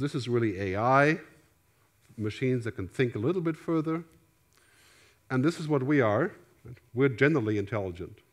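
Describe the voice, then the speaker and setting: A middle-aged man with a German accent speaks from a big theater stage through a headset mic. His keynote is loose and conversational, and he keeps checking in with the audience by asking "right?". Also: medium pitch. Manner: conversational, gestures widely, asks "right?" often. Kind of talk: conference keynote talk.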